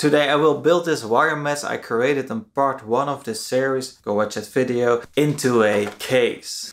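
There is light background noise as a man talks at a moderate pace with ordinary pitch variation. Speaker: maker video host. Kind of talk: casual vlog chat. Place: workshop.

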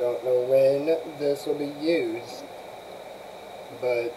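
There is noticeable background noise. A man talks fairly slowly with fairly even intonation. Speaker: vlogger. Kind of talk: casual vlog chat. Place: home room. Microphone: webcam.

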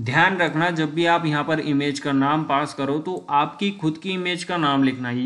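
A man's fairly high-pitched, normal speaking voice at a moderate pace, with ordinary pitch variation. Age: 20s. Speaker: programming tutor. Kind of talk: coding tutorial. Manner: casual.

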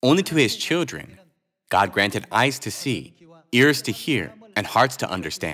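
Vocal fry runs through a man's bright, sharp tone as he talks at a moderate pace with very wide pitch swings. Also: medium pitch for a man. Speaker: pastor. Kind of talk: sermon. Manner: formal.

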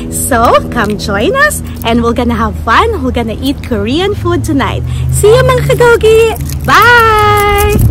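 A woman talks at a fairly slow pace over clear background music. The sound is dry, with no echo. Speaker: vlogger. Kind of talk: casual vlog chat. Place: street. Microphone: phone near.

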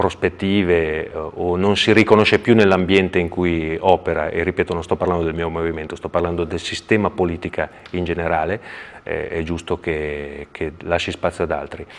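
Speaking at a moderate pace, a man with a very deep, low voice keeps his intonation fairly even. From Piedmont, Italy. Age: 40s. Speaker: regional councillor, politician. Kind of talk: TV interview. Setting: studio. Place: studio. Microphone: lapel.

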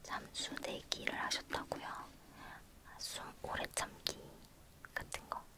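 Very slowly, a soft-spoken woman whispers. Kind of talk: roleplay talk to the viewer. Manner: soft, close ASMR near-whisper. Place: home room.

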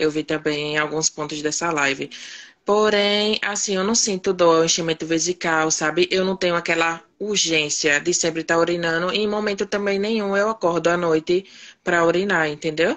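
Against a quiet background, a woman with a fairly low pitch talks at a moderate pace with fairly even intonation. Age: 20s. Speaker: viewer asking a medical question. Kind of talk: live Q&A. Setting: Instagram live stream. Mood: worried, explaining. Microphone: video call.

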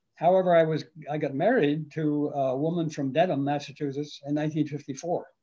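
A man with a New England accent speaks at a moderate pace in a fairly high pitch, his tone dark and mellow and his intonation fairly even, against a quiet background. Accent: New England American. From Vermont, Burlington. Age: 80s+. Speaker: retired surveyor and author. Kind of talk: interview. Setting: video call. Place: home room. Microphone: webcam.

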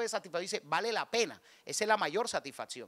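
A man races along at a very fast pace with a quiet background behind him. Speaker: university rector. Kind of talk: speech to faculty. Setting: auditorium with audience. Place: hall. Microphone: podium.

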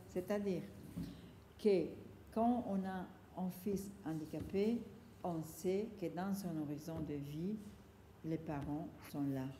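A woman with a fairly low, dark, mellow voice, vocal fry and lively intonation speaks at a very slow pace with long, frequent pauses, in audible room echo with light background noise. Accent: Italian. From Italy. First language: Italian (speaking French). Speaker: psychoanalyst and author; conference speaker, psychoanalyst. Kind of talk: lecture. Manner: halting. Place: meeting room. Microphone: phone near.

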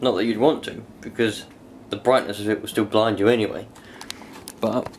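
A man's fairly low voice at a moderate pace, with light background noise. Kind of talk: casual tutorial vlog. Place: garage. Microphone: phone near.

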